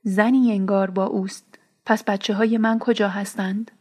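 A woman's voice: mid-range voice, little pitch movement, darkish tone, close to an everyday voice. A woman reading the lines of a proud old tribal father in his grief, pleading and anguished. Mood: anxious.

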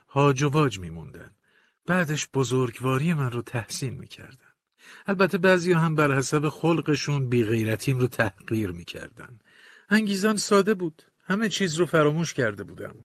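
A man narrating a first-person audiobook in a measured, confessional, colloquial manner, recorded close to a studio mic. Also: medium pitch, a bit bright, dry recording.

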